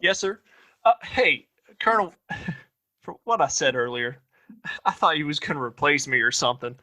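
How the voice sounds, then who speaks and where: Deferential frontier henchman, male actor, high voice, eager and hapless, radio-play western. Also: lively intonation, moderate pace, sharp tone. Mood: sheepish. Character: eager, bumbling, deferential Old West lawman's henchman. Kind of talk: audio play acting.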